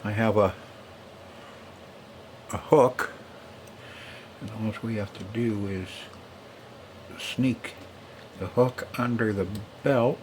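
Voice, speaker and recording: A man with a fairly low voice talks casually through hands-on repair work. He mutters to himself in a plain, folksy way as he goes. The recording is clearly noisy, like an unpolished home video. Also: steady tone, takes it slowly, long pauses, a little mellow.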